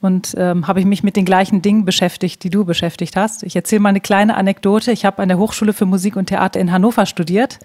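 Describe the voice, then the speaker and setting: A woman's voice: mid-range voice, a little mellow. Curious German woman host. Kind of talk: conversational interview.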